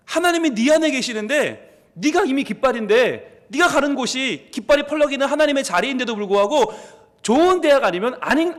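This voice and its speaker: A male pastor preaching a sermon and acting out quoted dialogue as he goes. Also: very high voice. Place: church sanctuary.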